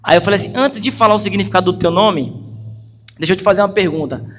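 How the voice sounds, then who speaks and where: A Brazilian man preaches in a high, ringing voice, his words trailing off into a long reverb that fills the church hall. He tells his story earnestly and pushes into urgent, insistent emphasis, with faint music under him. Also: fast talker. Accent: Brazilian Portuguese. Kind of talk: storytelling sermon.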